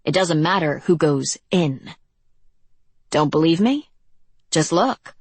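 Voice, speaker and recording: A fierce, defiant young heroine from an audiobook, voiced by a woman reader. She talks sharp and cutting, low and a little husky. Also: lively intonation, takes it slowly, no echo, heavily acted.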